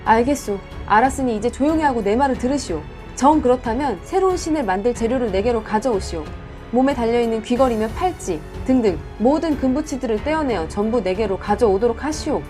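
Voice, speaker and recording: A woman's voice: on the high side, expressive, fairly quick, a little mellow, faint music behind, natural voice. A woman voicing a weak-willed male leader of ancient Israel in a storybook reading, with stagey, amateur declaiming. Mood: yielding, commanding.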